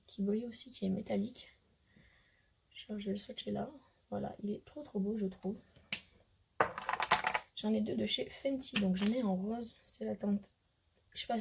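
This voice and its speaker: Hoarse woman, French accent, chatty vlogger, fillers, medium pitch, faint background noise. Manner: chatty, hesitant, many fillers. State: hoarse, losing her voice. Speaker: beauty vlogger. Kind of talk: casual makeup haul chat to camera.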